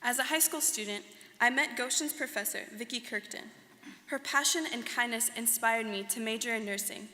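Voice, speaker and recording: A bright, fairly high-voiced young woman acting as an earnest alumna recounting her life. She delivers a scripted stage reading in a measured way, with the long reverb of a hall around her. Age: young adult. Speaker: student performer in a dramatic reading. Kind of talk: scripted first-person dramatic reading. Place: large hall.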